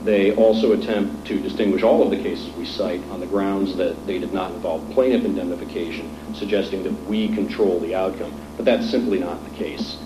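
A man's voice: deep voice, steady tone, brisk, few pauses. Male attorney arguing in court, stop-and-start, roomy sound with hum and noise behind. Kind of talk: formal appellate oral argument.

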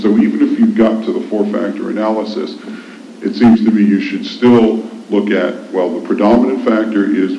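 An American man delivers oral argument in a reverberant, somewhat muffled courtroom recording. His voice is fairly low, and he presses his case insistently, restating key points. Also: warm tone. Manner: insistent, repeats points for emphasis. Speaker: lawyer arguing an appeal. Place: indoor courtroom. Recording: echoey, muffled courtroom recording, faint noise.

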